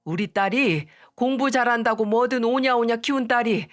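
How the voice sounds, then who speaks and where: A woman voicing an angry older father-in-law who shouts and scolds his family. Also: a little high, moderate pace, voice pushed up, natural voice. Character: furious older man, a stern father-in-law.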